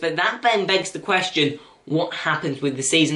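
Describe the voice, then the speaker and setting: Noticeable background noise under a fairly quick delivery. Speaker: solo podcast host. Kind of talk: solo podcast monologue. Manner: fast.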